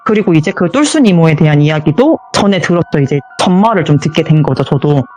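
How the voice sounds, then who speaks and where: A woman's voice: low-pitched, lively intonation, fast talker, a little mellow, soft background music. A woman telling her own true ghost story as a guest, vividly acting out the voices in it.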